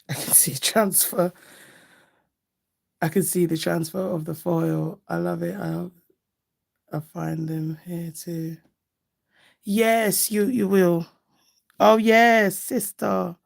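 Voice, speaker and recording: Casual livestream host: woman, slightly lower-pitched, gravelly and hoarse, chatty and affectionate. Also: fairly even intonation, slow pace, long pauses. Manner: chatty, affectionate, thinking aloud. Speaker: nail art livestream host. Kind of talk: casual live chat while doing nails.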